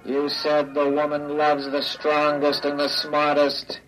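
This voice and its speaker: An actor playing a childlike male robot who talks in a flat, slow monotone, from a dull old radio drama. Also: on the high side, soft background music. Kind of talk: 1950s radio drama acting.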